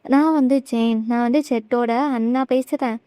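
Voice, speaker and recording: A woman's voice: a little high, steady tone, normal speed, mellow, no room sound, natural voice. A woman voicing an earnest, alarmed young man protecting his younger brother in a retold drama.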